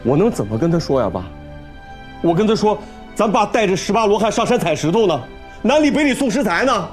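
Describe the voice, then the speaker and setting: A man's voice: high voice, very animated, fairly quick, a little mellow, faint music behind. An actor playing a guilt-ridden young man who pleads desperately with his father. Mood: pleading. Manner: desperate, pleading, tearful outbursts. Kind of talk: TV drama acting.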